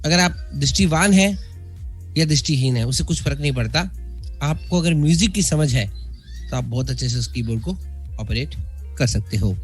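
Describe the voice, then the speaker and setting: A man of middle pitch explains music keyboards step by step, in a spoken online lesson. He pauses often on fillers and restarts his sentences. Faint music sits behind his voice.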